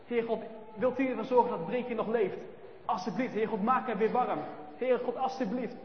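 Brief: a man as a devout village baker, earnest and pleading, voice raised high, echoey hall. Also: steady tone, moderate pace, a little hiss or hum. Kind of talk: children's storytelling. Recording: echoey hall, dull sound.

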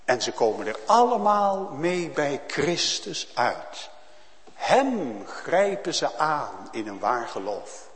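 A man preaching a solemn sermon as pastor to his congregation, with loud emphatic calls. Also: on the high side, very animated, slow pace. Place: church. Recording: long church reverb.

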